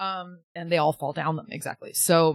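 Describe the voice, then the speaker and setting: An animated woman's very deep, low voice in an American accent, dry and close with no echo. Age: 30s. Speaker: podcast guest. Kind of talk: casual chat.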